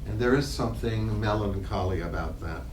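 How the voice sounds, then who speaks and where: A man's voice: on the low side, normal speed. Man narrating in an echoey room. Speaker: narrator reading stage directions. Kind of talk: scripted literary narration. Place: library reading room. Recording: distant mic, echoey room, noisy.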